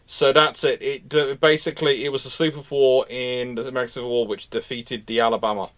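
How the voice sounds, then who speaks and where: A man's voice: mid-range voice, flat delivery, brisk, a bit bright, no room sound. A man talking casually as host of a live history discussion, rambling and often restarting his phrases. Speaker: host answering naval history questions.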